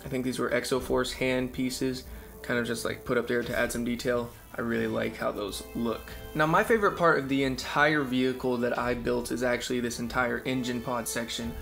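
A man's voice: mid-range voice, gravelly, a bit bright. A young man giving a casual, unscripted showcase as a hobby presenter, talking in a hesitant, loosely worded way. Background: background music.

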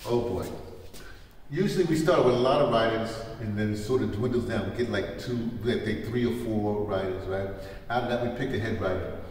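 A middle-aged man talks to a workshop in a very echoey, bare classroom, picked up from a distance. His pitch is average and his explanations are folksy and rambling, with faint noise in the recording. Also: a little mellow. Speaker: workshop leader, producer. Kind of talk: informal teaching talk. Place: large bare classroom, indoors. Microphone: camera a few metres away.

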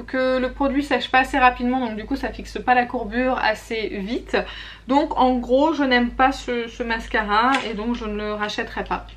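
A young woman chats candidly to the camera from a small room at home, her voice sitting a little high. She speaks freely and loosely, circling back and restarting her sentences. A faint hiss runs under the recording. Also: fairly bright tone. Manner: chatty and candid, with frequent fillers and self-corrections. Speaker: beauty vlogger. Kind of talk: casual monthly favorites and flops review.

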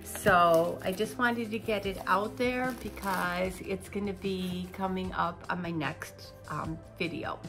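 A woman's voice: lowish voice, fairly even intonation, takes it slowly, few pauses, music in the background. An older woman in her sixties, chatting through an unboxing at home, a bit nasal from a cold and rambling with fillers. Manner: chatty, rambling with fillers, seated talking to camera. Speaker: unboxing vlogger. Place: living room at home, indoors.

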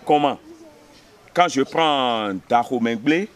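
Slow, hesitant middle-aged man outdoors. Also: mid-range voice, smooth. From Benin. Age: 50s. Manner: unhurried, hesitant fillers, checks understanding often. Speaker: history teacher. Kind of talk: interview, telling local history. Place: outdoors in a village yard. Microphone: camera at close range.

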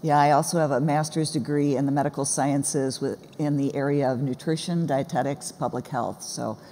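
Swedish-born woman with a mellow voice. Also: extremely low pitch, fairly even intonation, normal speed. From born in Sweden, raised in the US. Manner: warm, laughs often, reflective storytelling. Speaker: guest, seminary professor. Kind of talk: conversational interview. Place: church stage, large hall. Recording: reverberant hall, faint noise.

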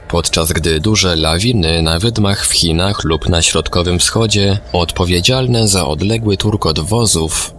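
A man narrating a scripted documentary audiobook in speech, with a measured, formal delivery. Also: low-pitched, fairly bright tone, a little hiss or hum.

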